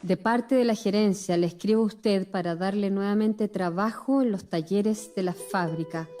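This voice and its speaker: Radio drama lead: actress playing young working-class woman, mid-pitched, dignified and defiant, music underneath. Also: moderate pace, mellow, lightly acted. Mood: guarded, formal.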